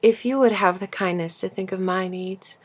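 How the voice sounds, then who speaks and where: A woman's voice: medium pitch, normal speed, close to an everyday voice. A woman voicing a vain, coquettish female flower in a storybook reading, with a languid, affected, coy manner. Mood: coyly demanding. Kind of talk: storybook character voice in audiobook reading.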